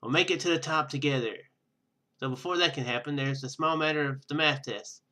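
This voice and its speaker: A man's voice: a little high, a little fast, bright, forceful tone. Man reading as a determined young student heroine. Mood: earnest, determined. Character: determined young female student, secret masked fighter.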